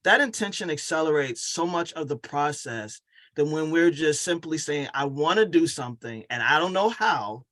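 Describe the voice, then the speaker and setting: A man with a slightly high voice hosts a conversational interview. He speaks like an encouraging coach, affirming and motivational. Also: expressive, normal speed, a bit bright. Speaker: podcast host and coach.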